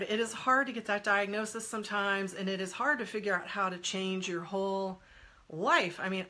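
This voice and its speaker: Woman in her 40s, stuffed up from a cold, bright voice, chatty and laughy, live stream from home. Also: mid-range voice. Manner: chatty, laughs often, greets viewers by name. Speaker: guest speaker on a live stream. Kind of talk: casual live-stream chat answering comments.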